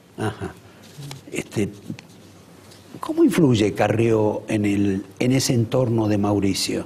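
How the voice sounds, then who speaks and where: Speaking very slowly in a Rioplatense accent, a man with a fairly low pitch keeps his intonation fairly even, leaves long, frequent pauses, and has light background noise behind him. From Argentina. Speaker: TV news-politics host. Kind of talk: interview show opening and moderating political talk. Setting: studio. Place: studio.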